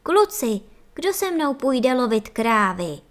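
A woman voicing an eager, helpful young male ant in a storybook reading, speaking in a lively way. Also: medium pitch, natural voice. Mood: rousing.

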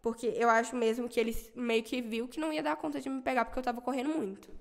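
Young brazilian woman, mineira accent, animated podcast guest, kinda high voice. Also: quick pace, vocal fry. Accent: Brazilian Portuguese, Minas Gerais. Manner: animated, laughs while telling a scary story. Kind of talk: casual storytelling.

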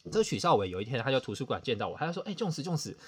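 A man's voice: medium pitch, sing-song, racing, slightly rough. A man, hosting a podcast and telling a self-mocking story with dramatic outbursts. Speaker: podcast host. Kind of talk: casual storytelling chat.

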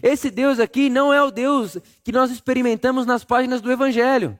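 A man preaching a sermon, telling the story dramatically, dropping to a hush and rising again as he acts out scenes. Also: extremely high pitch, steady tone, a little fast. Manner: dramatic storytelling, acting out scenes with hushed and raised voice.

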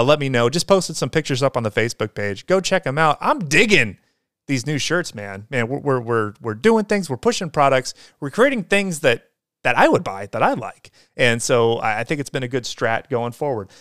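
A man's voice: fairly high pitch, a bit bright, no room sound, clean studio sound. A man hosting a casual solo podcast, talking in an upbeat, rambling way with lots of fillers and restarts. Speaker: podcast host.

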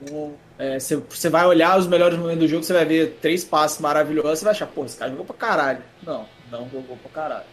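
A man's voice: a little high, fast talker, few pauses, a little hiss or hum. A man with a Brazilian Portuguese accent in casual, slangy podcast banter, blunt and teasing. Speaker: sports podcast panelist.

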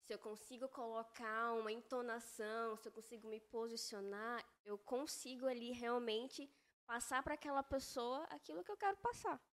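A woman's voice: a little high, a bit bright. Earnest woman guest on a faith podcast. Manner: earnest, reflective, measured with frequent "né?". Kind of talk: faith-based podcast conversation.

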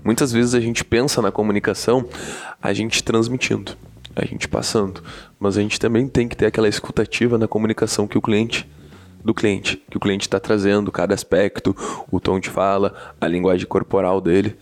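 Man, podcast guest, fairly low voice, earnest, conversational. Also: flat delivery, normal speed.

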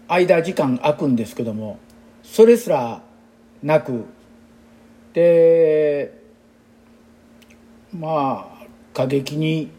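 A man's voice: on the high side, dark tone. A man in his sixties with a Kansai accent, an exercise instructor talking in a rambling, chatty and reflective casual monologue. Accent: Kansai Japanese. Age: 60s.

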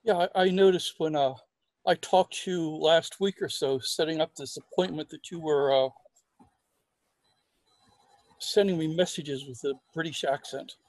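Male podcast host, fairly high voice, measured and conversational, dry. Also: no room sound, rough recording. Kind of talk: interview questions.

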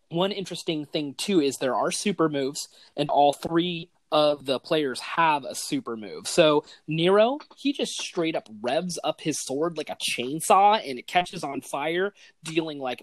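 A man hosting a casual gaming podcast, talking excitedly and enthusiastically in loose slang. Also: fairly high pitch, dry recording. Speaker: podcast host.

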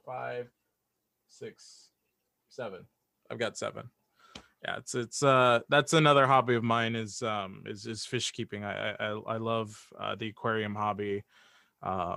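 A man chats casually as a podcast guest in a medium-pitched voice. He is hesitant, circling back and repeating words as he goes. The sound is very dry, with no room echo. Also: vocal fry, fairly bright tone. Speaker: podcast guest, audio drama writer. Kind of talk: casual chat.

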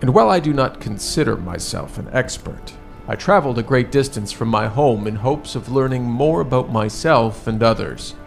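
A man improvising an in-character story in a tabletop roleplaying game, with formal, measured, halting wording. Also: medium pitch, lively intonation, creaky, faint music behind.

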